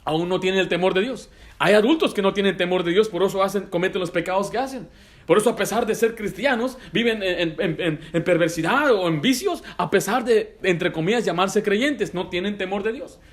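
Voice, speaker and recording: A man's voice: high-pitched, fairly quick. A middle-aged man preaching a sermon to young people in a church, direct and emphatic, firing rhetorical questions and dropping in English phrases. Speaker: pastor.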